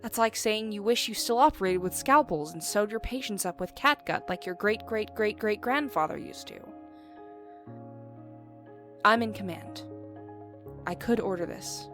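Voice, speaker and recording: A woman performing a rousing male starship captain's speech as a theatrical dramatic reading with deliberate pauses. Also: medium pitch, expressive, fairly bright tone, soft background music. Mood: commanding, rousing.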